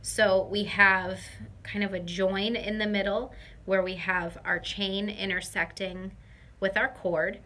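A young woman walks through a craft tutorial step by step, carefully explaining each stage and repeating key words for emphasis. Her mid-range voice is sharp in tone, with fairly even intonation and a slow pace.

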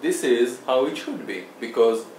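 A man's voice: mid-range voice, lively intonation, normal speed, a little mellow, recorded from a distance. Formal male interviewer in an echoey room. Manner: formal, flowery phrasing. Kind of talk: interview questions. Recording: echoey room, faint hiss.

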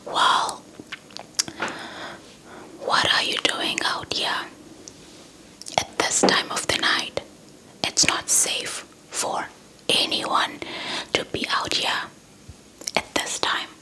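A young woman telling a story in a breathy ASMR whisper close to the mic, deliberate and softly repeating words. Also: rough recording. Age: young adult. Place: indoors in front of a dark cloth backdrop. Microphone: handheld small mic with fluffy windscreen, held close.

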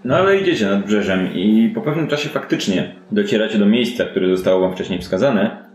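A man's voice: lowish voice, animated, brisk, slight background noise. A man improvising narration as game master of a tabletop role-playing game, conversational and hesitant in his phrasing. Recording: roomy sound with faint music.

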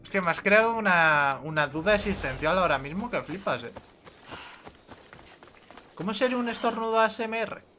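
Chatty streamer man, lively voice. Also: high voice, normal speed, long pauses, a little hiss or hum. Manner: chatty, self-interrupting, swears casually. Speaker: gaming streamer. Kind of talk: casual let's-play chat.

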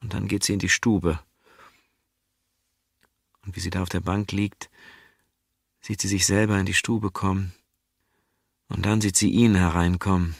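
A man narrating an audiobook in a slow, hushed manner, dwelling on repetitions. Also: deep voice, gravelly, dry recording, studio quality.

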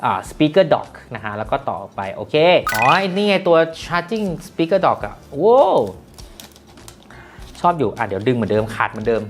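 Lively low-voiced woman reviewing gadgets. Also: a little slow, slight background noise. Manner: chatty and excitable, frequent exclamations. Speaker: tech reviewer. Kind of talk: casual unboxing review.

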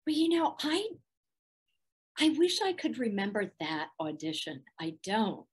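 A middle-aged woman with a soft, soothing voice, chatting as a guest in a video-call interview from a room at home, laughing often. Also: medium pitch, sing-song, a little slow, slightly rough. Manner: warm, laughs often, thoughtful. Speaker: voice actress guest.

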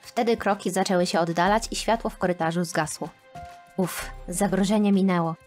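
Woman narrating a dramatic animated story. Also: lowish voice, normal speed. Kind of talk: scripted first-person narration of an animated story. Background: faint background music.

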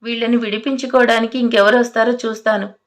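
A woman's voice: on the high side, fairly even intonation, fast, lightly acted. A woman voicing a roaring, furious police officer. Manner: shouting, threatening.

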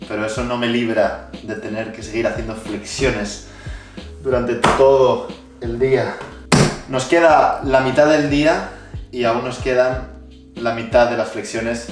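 A man's voice: mid-range voice, distant mic. A man in his twenties talking casually as he narrates and chats through a fitness challenge vlog. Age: 20s. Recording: roomy echo, clear music behind.

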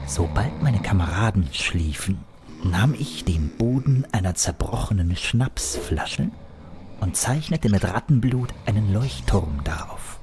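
A man's voice: lowish voice, a little mellow, a little hiss or hum. A man narrating a scripted first-person adventure in a grandiose, ornate storytelling manner. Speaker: narrator and hero of an audio play.

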